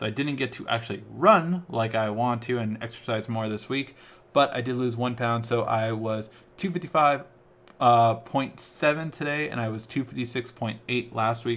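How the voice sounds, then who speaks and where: Here is a plain, everyday voice from a man at medium pitch with ordinary pitch variation. He talks at a moderate pace on a very clean recording with a silent background. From US, Mexican-American family. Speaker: tech YouTuber. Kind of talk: live stream Q&A. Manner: casual, many fillers.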